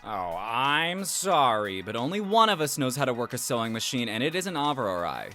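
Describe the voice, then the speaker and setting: A man's voice: medium pitch, big pitch swings, moderate pace, bright, forceful tone, faint music behind. A man playing a sardonic but encouraging young friend in an audio drama, casual and sarcastic.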